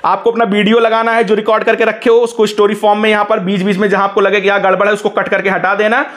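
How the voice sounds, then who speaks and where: A man with a fairly high voice talks quickly through a phone app tutorial. He narrates over a screen recording and guides viewers step by step, with frequent calls to look. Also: flat delivery, fairly bright tone. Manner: instructive, keeps saying "look" to guide viewers. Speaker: tech tutorial host.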